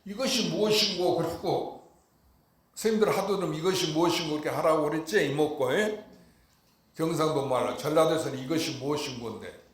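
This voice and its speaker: Korean monk preaching in an echoey hall. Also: male voice, a little high, fast. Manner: emphatic, rhetorical, keeps asking the hall if they understood. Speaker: Buddhist monk. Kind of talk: Dharma talk. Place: temple dharma hall.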